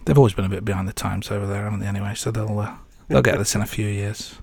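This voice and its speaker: A man's voice: on the low side, fairly even intonation, racing, vocal fry, breathy edge, no room sound, studio quality. A man presenting a podcast as co-host, moving between scripted narration and casual chat.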